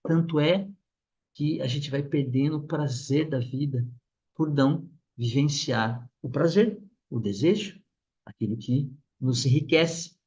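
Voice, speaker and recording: A middle-aged man explaining psychology in an animated way, often acting out the voices he quotes. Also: a little high, measured pace. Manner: animated, acts out quoted voices, many restarts. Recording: dull lo-fi sound.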